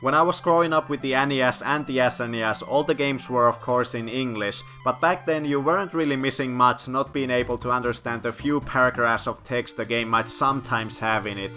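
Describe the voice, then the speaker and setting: Young host, bright crisp tone, nostalgic storytelling over faint music. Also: male voice, mid-range voice, brisk, hardly any pauses. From Finland. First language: Finnish. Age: 20s. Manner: reminiscing, nostalgic and self-deprecating. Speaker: gaming YouTuber. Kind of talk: story time vlog narration.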